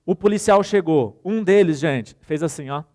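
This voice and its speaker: A man's voice: a little high, moderate pace. A man with a Brazilian Portuguese accent giving a workshop talk, telling anecdotes, acting out the dialogue and speaking straight to his audience. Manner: animated storytelling, acts out dialogue; addresses audience directly.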